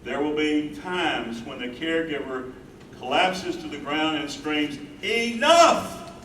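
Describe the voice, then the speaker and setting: A man's voice: on the high side, expressive, slow, a bit bright, distant mic. A man playing an earnest, grieving older husband who cares for his wife, in a dramatic staged play reading. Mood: anguished. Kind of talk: staged play reading, first-person narration. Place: live staged reading in echoey room. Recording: roomy, noisy stage recording from afar.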